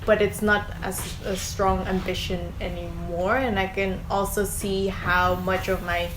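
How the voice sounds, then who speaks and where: A woman's voice: mid-range voice, little pitch movement, a little slow. A young woman from the Netherlands, a podcast guest, chatting casually and thinking aloud with many fillers. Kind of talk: casual chat. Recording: echoey room with background noise.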